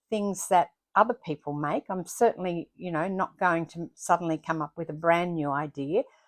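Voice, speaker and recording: A woman with a normal speaking voice talks at a moderate pace in a fairly low pitch. The background is quiet, and the sound is dry and close with no echo. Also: big swings in loudness. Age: 60s. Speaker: craft and sewing vlogger. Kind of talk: casual vlog talk to camera.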